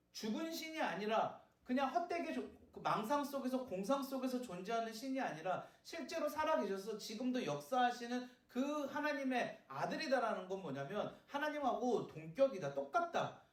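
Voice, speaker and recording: The speech moves at a moderate pace with hardly any pauses. Noticeable background noise sits behind it. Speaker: youth pastor. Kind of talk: sermon.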